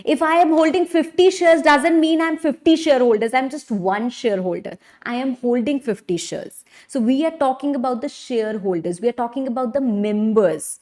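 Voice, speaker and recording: Female law lecturer, Indian accent, higher-pitched voice, conversational teaching with lively rhetorical questions. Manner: animated teacherly, asks and answers own questions, frequent check-ins. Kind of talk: conversational online lecture in mixed Hindi and English.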